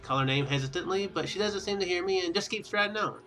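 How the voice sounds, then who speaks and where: His voice is high and sharp, and he talks fast. The young man hosts a casual let's play with game music in the background, reading narration aloud, commenting, and now and then stumbling over words before rereading them.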